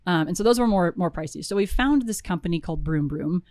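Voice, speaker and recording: A young woman, a film producer, telling stories in a casual interview, animated and full of fillers and restarts. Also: lowish voice, fast.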